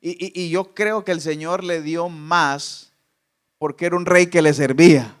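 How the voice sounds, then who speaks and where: A man's voice: on the high side, steady tone, a little slow, clear, resonant tone. A male pastor preaching a fervent sermon, exhorting the congregation with repeated questions.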